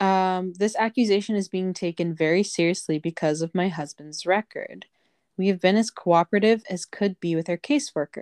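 A plain, everyday voice: a woman with a Canadian accent, medium pitch, ordinary pitch variation and a moderate pace, in a very clean, dry, close recording with no echo and a silent background. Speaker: podcast host. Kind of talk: casual chat.

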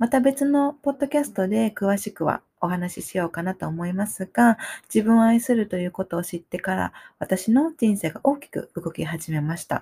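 A somewhat breathy voice with a dark, mellow tone, very wide pitch swings, big swings in loudness and a moderate pace, in a dry, close sound with no echo and a very clean, silent background. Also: woman, medium pitch for a woman. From Japan, Kyoto. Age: 20s. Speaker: self-love coach. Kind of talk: solo podcast monologue.

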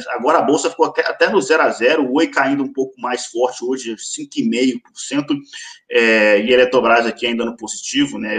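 A man with a medium pitch speaks at a moderate speed, varying his pitch in an ordinary way. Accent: Minas Gerais. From Minas Gerais, Brazil. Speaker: market analyst. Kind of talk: market commentary livestream. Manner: filler-heavy, frequent 'né'.

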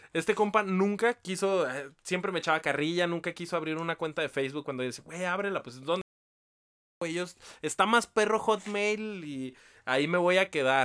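In a very clean recording with a silent background, a man speaks at a moderate pace with a high pitch and a bright, sharp tone. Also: ordinary pitch variation. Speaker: podcast co-host. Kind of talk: casual chat.

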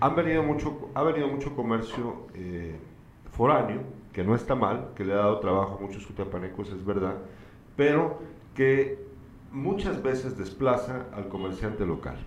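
A man at medium pitch speaks with audible room echo. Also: lively intonation, moderate pace. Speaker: talk show host. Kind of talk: panel discussion.

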